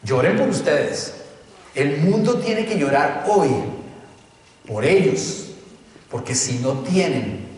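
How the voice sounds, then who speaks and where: Emphatic high-voiced preacher in an echoey hall. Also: male voice, very animated, slow, pauses often, darkish tone. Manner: emphatic preaching with rhetorical questions. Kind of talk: sermon. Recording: distant mic, echoey hall.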